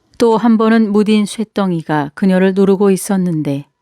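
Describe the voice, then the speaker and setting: The recording is very clean with a silent background and a dry, close sound with no echo. A woman speaks at medium pitch and a fairly slow pace, with ordinary pitch variation. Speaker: audiobook narrator. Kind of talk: bedtime story reading aloud, audiobook narration. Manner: slow, soft, calm and soothing.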